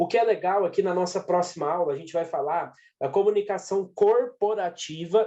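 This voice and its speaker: The voice has a calm, dark, mellow tone with ordinary pitch variation. It moves at a moderate pace over a quiet background. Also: man. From Brazil, Minas Gerais (Uberlândia). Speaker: communication course instructor. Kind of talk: online lecture. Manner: varies tone, calm to emphatic.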